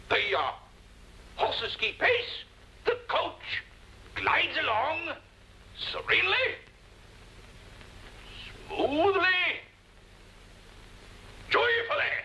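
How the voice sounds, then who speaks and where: An actor playing a pompous, self-satisfied husband who loves making grand speeches, in a 1950s television drama. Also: male voice, very high-pitched, bright, forceful tone, a little hiss or hum, full character voice, low-quality recording.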